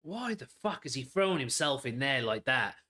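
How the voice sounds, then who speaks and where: A man's voice: medium pitch, very animated, normal speed, sharp tone. A man hosting a live football watchalong, calling the play and ranting bluntly with lots of swearing. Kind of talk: live match commentary and rant.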